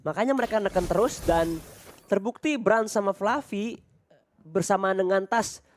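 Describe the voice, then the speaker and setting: A man with an Indonesian accent doing excited esports play-by-play in the manner of a fighting game announcer, stretching out key phrases emphatically. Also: high voice, normal speed, a little hiss or hum. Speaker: esports match commentator.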